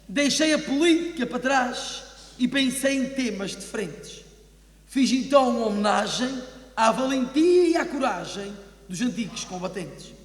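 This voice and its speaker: High-pitched man declaiming in an echoey hall. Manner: theatrical, declamatory verse delivery. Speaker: carnival monologue performer. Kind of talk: rhymed comic stage monologue, declaimed. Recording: echoey hall with long reverb.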